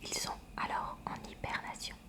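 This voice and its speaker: In a breathy, unvoiced library whisper, a woman reads a school science textbook aloud for ASMR. Her hushed reading is careful and measured.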